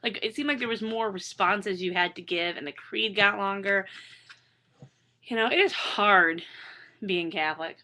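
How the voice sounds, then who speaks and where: A hoarse woman in her thirties chatting casually and rambling with self-deprecating asides. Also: medium pitch, normal speed, bright, forceful tone, a little hiss or hum. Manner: self-deprecating, chatty, lots of fillers and restarts. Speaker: author reading her book.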